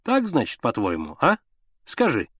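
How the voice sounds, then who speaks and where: Male reader doing a stern, lecturing older aunt; slow reproach, lively, swinging intonation, dry close sound. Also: fairly low pitch, no echo. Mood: indignant. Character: stern older aunt, scolding and proud of labor. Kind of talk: audiobook character reading.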